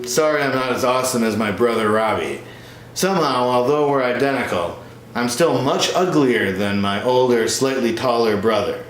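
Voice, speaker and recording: A man's voice: medium pitch, normal speed, faint music behind, natural voice. A man playing both parts in a one-man stage comedy, here as a smug, pedantic, boastful older twin brother. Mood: mocking. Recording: roomy echo with faint noise.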